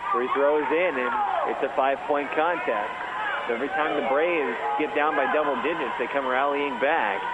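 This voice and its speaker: Loud background noise fills the clip, though the sound itself is dry with no echo. The speech moves at a moderate pace. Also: man. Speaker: radio sports announcer. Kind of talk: live sports commentary.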